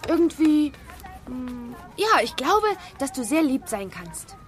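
A woman's voice: high-pitched, sing-song, slow pace, full character voice. A woman playing a kind, earnest young schoolgirl in a children's radio play, speaking reassuringly. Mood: gentle, concerned.

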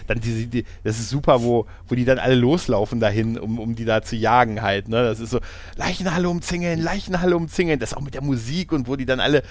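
A man's voice: medium pitch, fairly even intonation, fast, few pauses. Male podcast host: loose, rambling retelling of a film, keeps checking in with his co-host. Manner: rambling retelling, frequent tag questions and laughs. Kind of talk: casual film discussion.

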